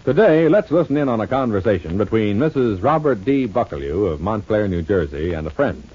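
A man announcing on an old radio broadcast, pitching a product and then narrating the soap opera in an emphatic, selling manner. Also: sing-song, fairly quick, darkish tone, slightly rough. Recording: dull lo-fi old radio recording, faint music.

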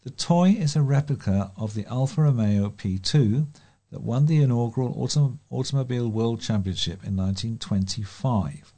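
A man's voice: medium pitch, moderate pace, warm tone. A man with a British accent reading scripted local news items as a volunteer newsreader. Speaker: volunteer newsreader for a talking newspaper.

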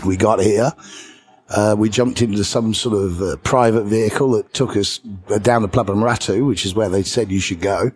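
A middle-aged man with a British English accent and a rough, husky, lowish voice. He tells his stories as an animated guest, chuckling between lines. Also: brisk. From England. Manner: lively raconteur who chuckles between lines. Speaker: podcast guest. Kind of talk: anecdotal storytelling in an interview.

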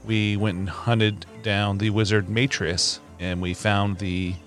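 Low-voiced man at a game table. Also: level tone, slow pace, fairly bright tone, faint music behind. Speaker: player. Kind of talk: casual tabletop game chat.

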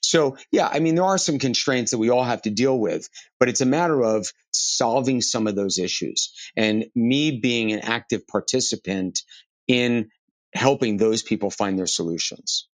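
A man's voice: mid-range voice, lively intonation, normal speed, no room sound. Earnest storytelling male surgeon. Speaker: podcast guest. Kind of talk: conversational storytelling.

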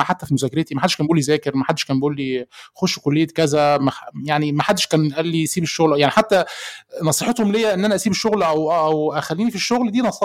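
A young Egyptian man speaks with an Egyptian Arabic accent as a podcast guest, rushing along very quickly in a somewhat high voice. He is easygoing and reflective and sometimes searches for the right word. The sound is dry and close. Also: no room sound. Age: young adult. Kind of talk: casual podcast conversation.

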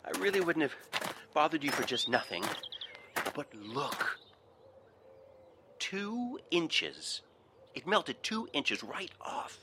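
A man's voice: on the high side, very animated, slow, long pauses, very noisy, exaggerated voice. A young man playing an eager assistant in an audio drama, flustered and stammering. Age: young adult.

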